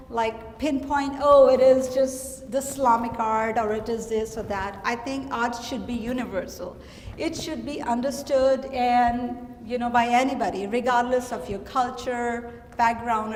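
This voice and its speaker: A middle-aged woman from Pakistan with a Pakistani accent, an artist giving a reflective, halting gallery talk about her work. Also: on the high side, a little hiss or hum. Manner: reflective, halting with frequent fillers. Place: gallery hall. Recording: echoey gallery hall.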